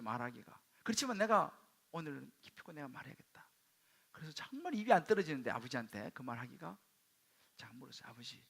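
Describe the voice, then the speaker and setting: A male pastor telling a personal story in a sermon, dropping to hushed quoted asides and rising into sudden loud bursts. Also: fairly high pitch, gravelly, husky. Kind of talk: sermon testimony.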